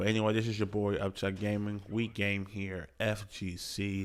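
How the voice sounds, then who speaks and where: Mumbling at a moderate pace, a man talks with a fairly low pitch. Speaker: gaming youtuber. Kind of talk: casual gameplay commentary.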